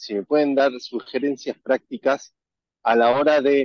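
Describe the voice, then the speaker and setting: A man at medium pitch and a fairly slow pace, the sound dry and close with no echo. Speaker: diploma course participant. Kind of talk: Q&A question. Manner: halting with fillers.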